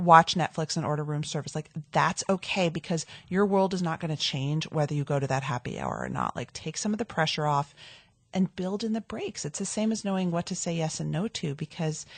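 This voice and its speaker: The speaker talks at a fairly quick pace in a somewhat breathy voice with ordinary pitch variation. The sound is dry and close with no echo, over a quiet background. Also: woman, fairly low pitch for a woman. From New Jersey, US. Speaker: entrepreneur and author. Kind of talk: interview.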